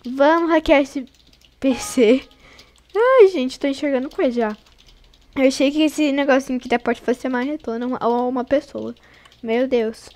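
A woman's voice: high-pitched, moderate pace, darkish tone. A woman hosting a gaming channel, giving chatty running commentary on her play and talking constantly to her viewers. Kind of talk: casual gameplay commentary.

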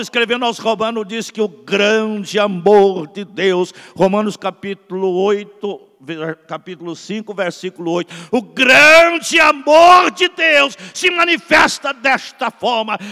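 A man in his sixties with a Brazilian Portuguese accent, preaching a Pentecostal sermon from a church pulpit, building to shouts and then dropping low. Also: expressive, slow pace, gravelly, few pauses. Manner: preaching with swelling shouts and quiet drops. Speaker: pastor. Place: large church sanctuary at a pulpit. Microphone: pulpit microphone. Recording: long reverb of a large church.

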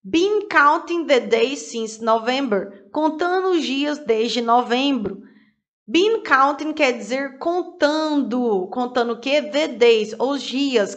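A woman's voice: high-pitched, a bit bright. A woman teaching English through song lyrics. She explains the lines word by word and repeats each phrase with its translation. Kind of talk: song-lyric language lesson.

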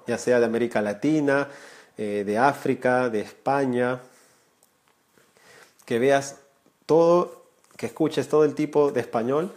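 A man's voice: medium pitch, darkish tone. A man in his thirties, a Spanish teacher, talking earnestly and directly to viewers during a live stream from a small room. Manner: earnest, gestures with hands, addresses viewers directly. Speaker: Spanish teacher, channel creator. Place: small room indoors, warm lamp light.

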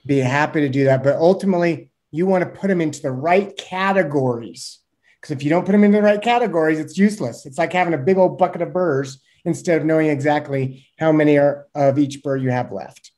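Man, 30s, mellow warm tone, animated explainer, webcam audio. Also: fairly high pitch, brisk. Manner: animated, gestures with hands, uses homely examples. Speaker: guest expert. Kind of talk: explaining to a host in a video call interview. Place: small room indoors. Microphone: webcam on a video call.

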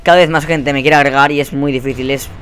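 A man with a Spain Spanish accent giving profane, excitable commentary over his own gameplay. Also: on the high side, quick pace, smooth. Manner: excitable and profane, bursting into shouts. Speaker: gaming YouTuber.

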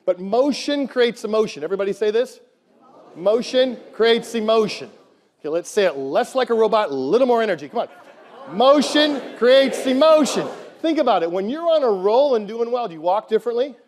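A middle-aged man giving an energetic motivational keynote on a conference stage, repeating phrases and firing questions at the crowd. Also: sits high, brisk. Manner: emphatic, repeats phrases, asks the crowd questions, leads chants. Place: large conference hall on stage. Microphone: headset mic. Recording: live hall with long reverb.

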